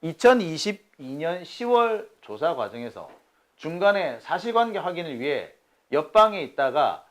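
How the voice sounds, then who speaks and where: Male host, higher-pitched, very lively delivery; acts out quotes in chatty commentary. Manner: animated storytelling, acting out quoted exchanges; colloquial, exasperated asides. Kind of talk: casual commentary on a court case.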